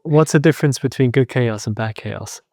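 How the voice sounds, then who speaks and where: A man with a medium-pitched voice asks questions as an interviewer. His delivery is conversational and a little tentative, picking through his phrasing. The recording is dry, with hardly any echo. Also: moderate pace, creaky, darkish tone.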